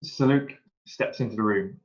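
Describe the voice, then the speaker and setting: A man playing in a tabletop game, narrating his character in a hesitant, halting way. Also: on the low side. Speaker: player. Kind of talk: casual tabletop play. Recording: dull lo-fi recording.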